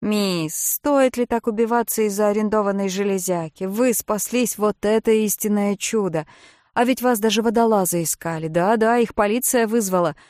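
Lady doing a fussy kindly boat guy, loud and excited, dry close sound. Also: medium pitch, moderate pace, no room sound, lightly acted. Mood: reassuring. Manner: excited, exclaiming. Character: flustered kindly male boat-rental owner.

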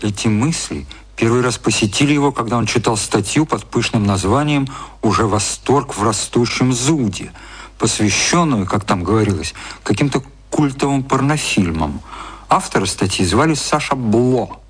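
A man narrating an audio drama in a scripted literary style, with a slightly husky voice. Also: mid-range voice, expressive, moderate pace. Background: music.

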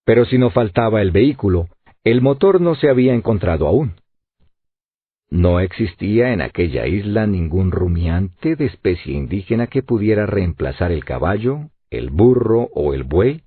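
Male audiobook narrator, expressive and lively, low husky voice, dry narrow audio. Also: normal speed, no echo. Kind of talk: scripted narration. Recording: narrow phone-like sound, dry.

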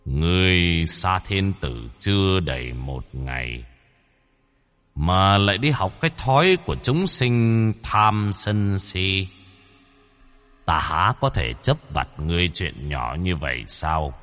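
A man voicing a stern male ruler of the underworld who speaks slowly and with command. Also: deep voice, expressive, a bit bright, faint music behind, exaggerated voice. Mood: scornful. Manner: slow, commanding, scornful. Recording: long hall reverb.

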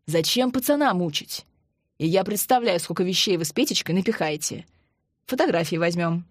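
A woman's voice: on the low side, expressive, moderate pace, breathy edge, no echo. A woman voicing a young man who talks in a dry, teasing way. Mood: wry. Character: young man, wry and joking.

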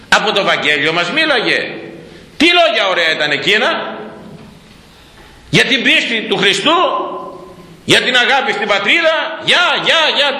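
Male preacher, lively and sharp-edged sermon, long church reverb. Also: fairly high pitch. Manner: animated, rhetorical questions, mocking asides. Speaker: Orthodox priest preaching. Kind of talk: sermon on a Proverbs verse.

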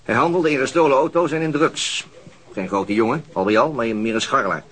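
A man's voice: medium pitch, fairly quick, a bit bright, slightly rough, poor audio. An actor playing a weary, wry police inspector and father in a radio drama, dry and mildly grumbling. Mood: businesslike. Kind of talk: naturalistic Dutch radio drama acting.

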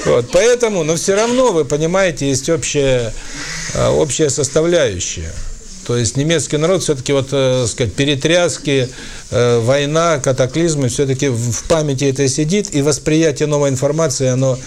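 A man's voice: on the high side, normal speed, darkish tone, slight background noise. Hesitant man lecturing with many fillers. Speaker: spiritual lecturer and author. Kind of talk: lecture with audience questions.

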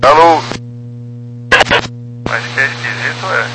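A man with a Brazilian accent, an airline pilot heard over a cockpit radio headset, speaking to air traffic control in a relaxed, joking way. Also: mid-range voice, measured pace. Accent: Brazilian Portuguese. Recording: noisy aviation radio channel.

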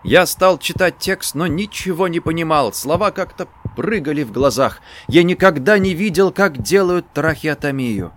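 A man giving a dramatic first-person literary narration, tense and shifting between hushed and urgent delivery. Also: fairly high pitch, expressive, moderate pace, few pauses, a little hiss or hum. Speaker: audiobook narrator.

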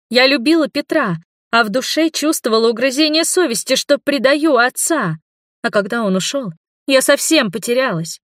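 A woman reading a story, voicing a bitter young adult daughter who shouts through tears at her father. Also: high voice, no room sound, clean studio sound, pitched above the performer's own voice, full character voice. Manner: shouting, tearful, accusing.

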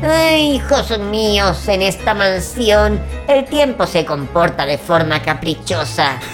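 A woman's voice: medium pitch, lively intonation, slow pace, soft background music. A woman voicing a creepy, grumpy old male horror host who speaks in grandiloquent, theatrical phrases to listeners. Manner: grandiloquent, mock-grumbling, addressing listeners as creatures. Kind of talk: theatrical horror anthology hosting.

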